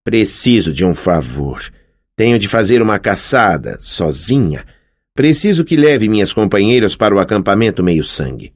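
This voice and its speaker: A man's voice: lowish voice, very animated, normal speed, husky. A man reading an audiobook, voicing a proud, curt young goddess of the hunt in a lifted voice. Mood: curt dry. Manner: curt, exasperated. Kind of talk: audiobook character voice.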